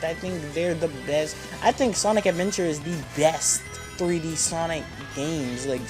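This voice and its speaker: A fourteen-year-old boy giving casual, rambling and opinionated commentary as he plays a video game. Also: a little high. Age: 14, teenager. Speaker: gamer narrating a playthrough. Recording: game music behind the voice. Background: video game music.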